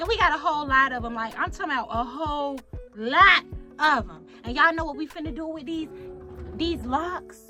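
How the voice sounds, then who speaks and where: A woman's high, raised and projected voice with ordinary pitch variation and big swings in loudness over music in the background. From Norfolk, Virginia. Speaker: rapper and loc stylist. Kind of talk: casual live-stream intro to camera. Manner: upbeat, hyped.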